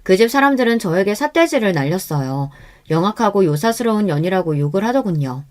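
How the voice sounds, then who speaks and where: A woman narrating a first-person life story in a calm, even scripted telling. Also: mid-range voice, a little fast.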